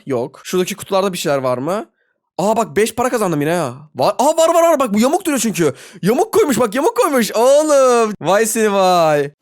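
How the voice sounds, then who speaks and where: A young man giving excitable live gameplay commentary as a video host, talking to viewers in slangy banter and yelping high when frustrated.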